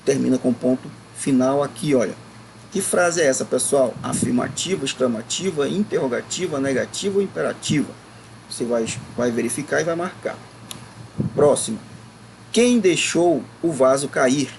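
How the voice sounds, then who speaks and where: A man teaching a recorded grammar lesson, explaining patiently and stretching words slowly to stress their syllables. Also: medium pitch, creaky, a little mellow, a little hiss or hum, low-quality recording.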